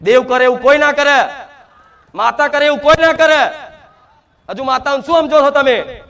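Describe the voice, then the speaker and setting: Very high-pitched and fairly bright, the man's voice moves at a moderate pace. He is a spiritual medium channeling the goddess, delivering an emphatic devotional sermon in the first person as a divine mother and posing rhetorical questions to her devotees.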